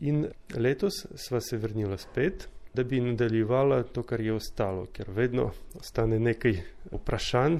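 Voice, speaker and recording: In a Russian accent, a man speaks at a medium pitch with a dark, mellow tone. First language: Russian (speaking Slovenian). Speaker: linguist researcher. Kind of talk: interview.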